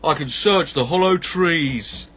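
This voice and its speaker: A man's voice: on the high side, takes it slowly, sharp tone, pitched above the performer's own voice, heavily acted. A man voicing a hearty male badger in a children's storybook, emphatic and keen to help. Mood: eager.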